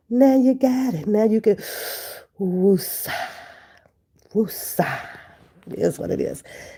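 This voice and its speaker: Fairly slow speech from a woman with long, frequent pauses, a fairly high pitch with ordinary pitch variation, a dark, mellow, somewhat breathy tone and big swings in loudness. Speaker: livestream reaction host. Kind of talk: casual livestream chat with viewers.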